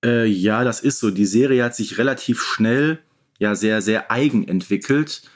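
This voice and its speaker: Measured man in a casual podcast discussion. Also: fairly low pitch. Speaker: podcast co-speaker. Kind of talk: casual podcast discussion of children's audio dramas.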